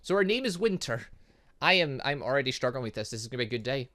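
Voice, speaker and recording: A man's voice: medium pitch, very animated, fast talker, pushed and bright. A man doing casual let's play commentary, rambling and reacting aloud as he plays. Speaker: gaming channel host.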